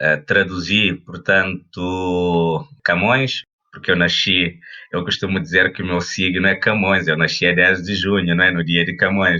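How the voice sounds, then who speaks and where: Monotone, flat intonation at a fairly slow pace. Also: man, very deep, low pitch for a man. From Cape Verde. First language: Cape Verdean Creole (speaking Portuguese). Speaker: poet and translator. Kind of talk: interview. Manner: halting, many fillers.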